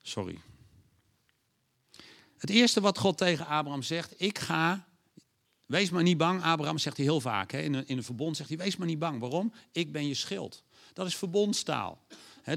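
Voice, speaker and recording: A man preaching a sermon, lively and animated, acting out God's lines in a raised voice and putting questions to the audience. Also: a little high, normal speed, creaky.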